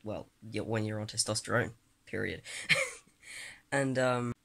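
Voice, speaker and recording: Young trans man, gravelly candid ramble. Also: lowish voice, measured pace, fairly bright tone. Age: late teens. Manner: candid, rambling, many fillers and restarts. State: groggy, just woken up. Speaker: vlogger. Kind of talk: casual personal vlog ramble. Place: small bedroom, then a desk in a bedroom, indoors. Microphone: phone or webcam at arm's length.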